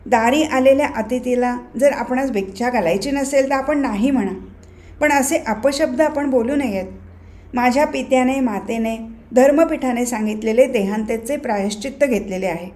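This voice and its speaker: A woman voicing a calm, wise young boy ascetic who speaks gently and steadily in a novel reading. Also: on the high side, moderate pace, close to an everyday voice.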